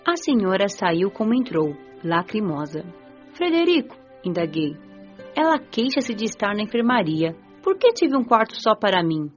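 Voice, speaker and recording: Actress as a lively young Brazilian woman spirit narrating. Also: mid-range voice, normal speed, natural voice. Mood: curious, surprised. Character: curious, gentle nineteen-year-old girl spirit narrating her afterlife. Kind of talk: scripted first-person audiobook drama narration. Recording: dull lo-fi audio, music behind.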